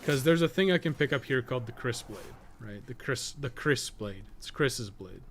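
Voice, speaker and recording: A man's voice: mid-range voice, expressive, moderate pace, a bit bright, a little hiss or hum. Male game streamer, mid-range voice; casual, rambling, foul-mouthed and jokey guide talk. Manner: rambling, thinking aloud; profane, slangy, joking. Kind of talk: casual live-stream gaming commentary.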